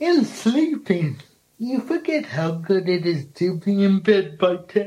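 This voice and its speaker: A man with an American accent speaks at a very slow pace. His pitch is high and swings very widely. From US South, North Carolina. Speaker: comedian. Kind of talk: casual chat.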